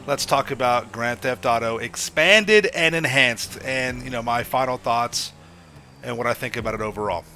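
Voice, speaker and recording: A man's voice: mid-range voice, bright, forceful tone, slight background noise. A young man with a stuffy head-cold voice, giving a blunt, casual opinion monologue to his gaming audience, checking in with "okay?" and "right?". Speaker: gaming YouTuber.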